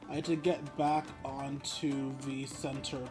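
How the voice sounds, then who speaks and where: A man's voice: medium pitch, little pitch movement, a little slow. Man casually narrating gameplay over music. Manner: musing aloud. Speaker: video game streamer.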